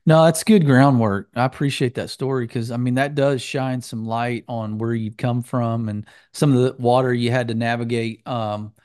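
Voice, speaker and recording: A man's voice: medium pitch, steady tone, moderate pace, hardly any pauses, darkish tone, clean tone. A man hosting a podcast, affirming and conversational as he responds to his guest. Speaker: podcast host. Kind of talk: casual interview.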